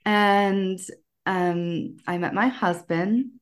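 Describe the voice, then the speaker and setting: An American woman speaks as a guest on a podcast. She has a mid-pitched voice and a casual, conversational way of explaining things. She tells stories in an animated manner, slipping into quoted dialogue as she goes. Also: very slow. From United States.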